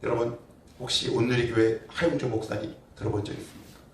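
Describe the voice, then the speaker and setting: A man's voice: mid-range voice, steady tone, fast talker, slight background noise. A man preaching a sermon as pastor, asking his congregation rhetorical questions with emphatic delivery. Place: church sanctuary. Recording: roomy church echo, distant mic.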